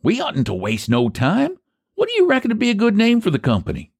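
A man's voice: high voice, huge pitch swings, a little fast, creaky, slightly rough, no echo, studio quality, pitched above the performer's own voice, full character voice. A man voicing an earnest, homespun rural American pie baker, a storybook character who is easily won over. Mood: eager.

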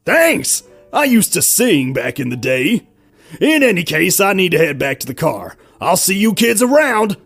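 A man voicing a goofy, doting middle-aged dad who is cheerful, bumbling and excitable. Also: sits high, measured pace, vocal fry, husky, faint music behind, exaggerated voice. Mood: amused. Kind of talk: voiced animated roleplay.

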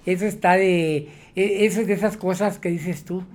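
A man's voice: sits high, fairly even intonation, moderate pace, a little mellow. A man, a taxi driver, telling his stories in a rambling way, tagging his sentences with "¿no?". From Mexico. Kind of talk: storytelling interview.

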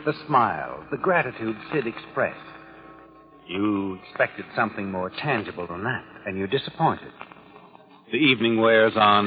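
An actor playing an ominous, all-knowing narrator who taunts in 1940s radio drama style. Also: male voice, fairly low pitch, muffled recording. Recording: band-limited old radio recording, music behind.

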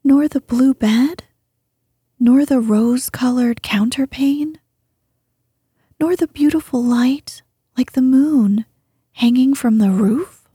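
An earnest young princess girl speaks in a raised, breathy whisper, as a woman reader puts her on. The voice is hushed and husky, unhurried and mellow in tone, with a close, dry sound. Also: high voice, dry recording, pitched above the performer's own voice, heavily acted. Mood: bewildered.

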